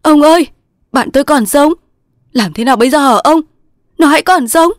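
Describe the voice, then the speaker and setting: A woman's voice: on the high side, brisk, dry recording, clean studio sound, pitched above the performer's own voice, lightly acted. Woman voicing a frantic young soldier. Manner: pleading, sobbing outbursts. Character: young male resistance soldier, anguished and frantic. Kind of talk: storybook reading.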